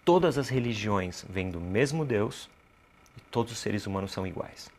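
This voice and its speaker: A man's voice: lowish voice, animated, moderate pace, darkish tone, slight background noise. A Brazilian man speaking as an interview guest, explaining ideas in a didactic way and answering his own rhetorical questions. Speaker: interview guest, cultural producer and activist.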